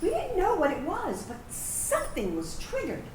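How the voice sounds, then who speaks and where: A woman's voice: extremely high pitch, huge pitch swings, moderate pace, full character voice. A woman acting in a staged reading as a trans veteran and their inner self, reminiscing conversationally, wounded yet playful. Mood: fond reminiscence. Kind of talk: staged reading of a personal narrative play. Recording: roomy, distant microphone, faint background noise.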